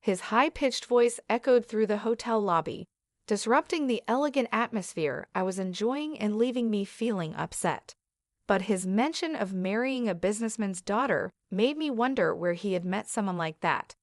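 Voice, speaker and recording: A woman narrating a first-person drama story in an even, steady reading. Her voice sits at a middle pitch. The recording is dry and close, with no room sound. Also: moderate pace, no echo.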